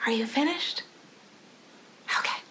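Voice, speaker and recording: A middle-aged woman leading a storytime for young children in an animated, rhythmic sing-song delivery, recorded in a living room. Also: unhurried, a little hiss or hum. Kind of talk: children's storytime read-aloud.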